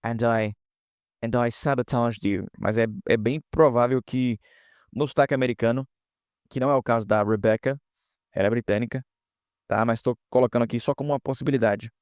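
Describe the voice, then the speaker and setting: A man's voice: mid-range voice, steady tone, brisk, a little mellow, smooth, dry recording, studio quality. A man teaching English pronunciation in a casual online lesson, explaining step by step and often checking in with students.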